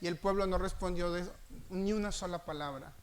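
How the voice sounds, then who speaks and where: A man with a Mexican Spanish accent preaching a sermon in a church, emphatic and full of repeated refrains, his voice swinging between loud peaks and soft drops. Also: high-pitched, fairly quick. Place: church sanctuary.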